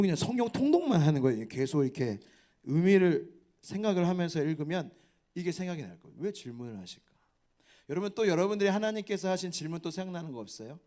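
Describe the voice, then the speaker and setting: Animated preacher man with hushed whispers. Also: on the high side, fast. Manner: asks the audience questions. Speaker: pastor. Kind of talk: revival sermon to a youth retreat. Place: church hall.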